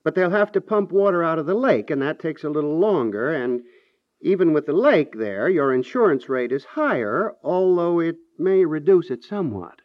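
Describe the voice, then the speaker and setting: Actor as a dry, high-voiced male property adviser. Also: animated, no echo, natural voice. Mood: dry, matter-of-fact. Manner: deliberate, hesitant understatement. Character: dry, measured male property adviser delivering bad news. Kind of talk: 1950s radio comedy acting. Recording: dull 1950s radio recording.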